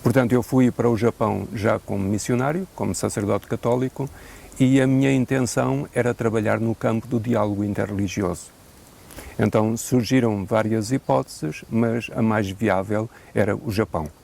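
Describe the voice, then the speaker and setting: Portuguese priest with a gravelly voice. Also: male voice, on the low side, fairly even intonation, warm tone. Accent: European Portuguese. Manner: measured, thoughtful, with hesitant fillers and a dry joke now and then. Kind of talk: unscripted interview answers.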